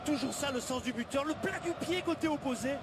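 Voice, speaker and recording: A man giving excited, emphatic football co-commentary, analysing replays and repeating words for emphasis. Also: extremely high pitch, fairly quick. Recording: loud stadium noise behind the voice. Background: loud stadium ambience.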